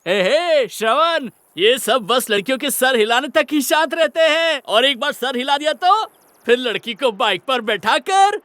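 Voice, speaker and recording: A man's voice: extremely high pitch, expressive, unhurried, bright, forceful tone, dry recording, full character voice. An actor dubbing a young man who lectures his friend about love. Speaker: friend in a dubbed film. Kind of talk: Hindi film dubbing.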